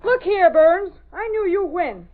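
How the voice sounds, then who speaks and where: An actress playing a sassy, quick-talking secretary at a newspaper in a 1930s radio drama. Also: female voice, very high-pitched, expressive, background noise. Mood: spunky. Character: spunky fast-talking female newspaper secretary. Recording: tinny old radio broadcast.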